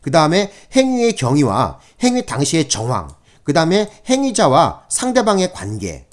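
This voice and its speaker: A man's voice: on the high side, huge pitch swings, normal speed. A middle-aged man lecturing on criminal law for exam candidates in a conversational way, with frequent fillers and checks for agreement.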